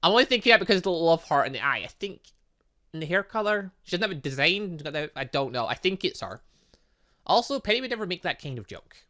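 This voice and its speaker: A man hosting a gaming video, giving casual, excitable and rambling commentary and stumbling as he reads game text aloud. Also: sits high, quick pace. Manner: excitable, rambling, stumbles over read lines. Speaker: gaming video host, let's play narrator.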